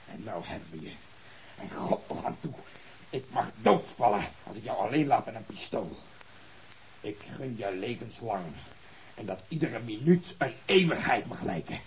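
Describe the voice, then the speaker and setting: Gruff, low-voiced police detective. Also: male voice, a little hiss or hum, rough recording. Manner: stern, sardonic, cutting. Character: gruff, bitter, bossy male police detective. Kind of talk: radio drama acting.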